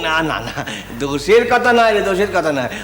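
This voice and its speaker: A man's voice: high voice, very animated, fairly quick, a bit bright. An actor playing a devout, childlike temple priest who talks tenderly to the goddess and repeats his words. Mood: fond, weary. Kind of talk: TV period drama acting. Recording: roomy hall reverb, faint hiss.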